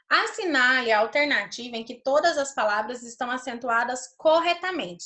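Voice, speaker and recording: A woman teacher, giving a recorded grammar lesson to schoolchildren. She reads example sentences slowly and deliberately, stopping often to ask "certo?". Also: high-pitched, pushed and bright. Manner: checks understanding with "certo?".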